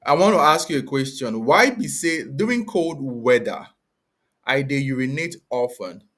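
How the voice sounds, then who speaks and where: A man's voice: medium pitch, very animated, moderate pace, a bit bright. Blunt West African man speaking Pidgin. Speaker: host and content creator. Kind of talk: casual live online talk in Pidgin English mixed with English.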